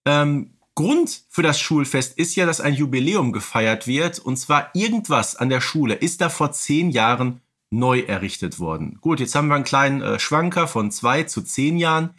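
A man's voice: mid-range voice, expressive, normal speed, hardly any pauses, fairly bright tone. Emphatic man chatting on a podcast. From Ruhr area, Germany. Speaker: podcast co-host. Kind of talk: casual humorous podcast discussion.

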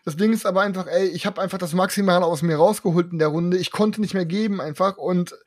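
A young man in casual chat about a board game, animated and defensive, swearing often. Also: sits high, quick pace, dry recording, clean studio sound. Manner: animated, defensive, swears a lot, repeats "pass auf". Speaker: board game podcast co-host.

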